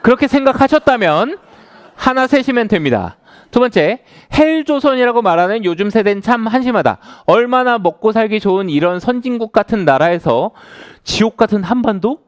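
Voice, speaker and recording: A man's voice: high-pitched, animated, normal speed, no room sound, studio quality. A man in his thirties, an author giving a conversational lecture to a live audience and asking them questions. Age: 30s.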